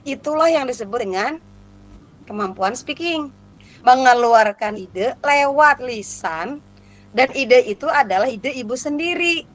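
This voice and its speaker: High-voiced lively woman lecturer. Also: a little slow. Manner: lively, questioning the audience, playful. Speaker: lecturer for teacher exam prep. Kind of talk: interactive workshop lecture.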